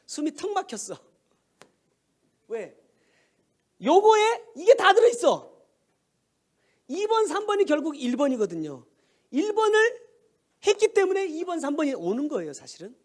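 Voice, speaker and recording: A man's voice: very high-pitched, wildly swooping pitch, moderate pace, long pauses, a little mellow. A male pastor preaching a sermon in a conversational way, asking rhetorical questions and answering them himself.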